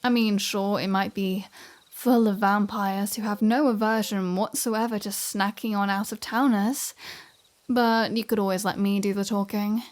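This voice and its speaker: A woman's voice: mid-range voice, fairly even intonation, normal speed, lightly acted. A woman playing a flirty, sardonic vampire in a scripted ASMR roleplay audio drama, with breezy, sarcastic banter. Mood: wry, breezy.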